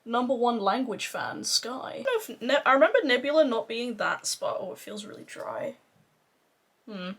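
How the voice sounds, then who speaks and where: A woman's voice: a little high, expressive, moderate pace, a bit bright, slightly rough. A woman beauty vlogger rambling casually and playfully to camera, with some swearing and self-deprecation. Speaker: beauty vlogger doing a makeup tutorial.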